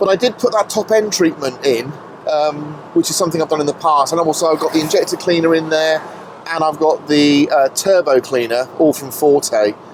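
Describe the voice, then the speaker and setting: A man's fairly high-pitched voice at a fairly quick pace, with ordinary pitch variation amid noticeable background noise. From Norfolk, England. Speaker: vlogger, car channel host. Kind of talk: casual vlog commentary. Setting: in a car, driving. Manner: chatty, with fillers.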